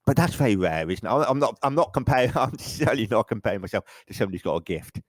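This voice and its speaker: Middle-aged english guy, really low voice, rambly and stop-start, dry close sound. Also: lively intonation, very fast, no room sound. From England. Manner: rambling, self-correcting, frequent stammered restarts. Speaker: photographer guest. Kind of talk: casual interview chat.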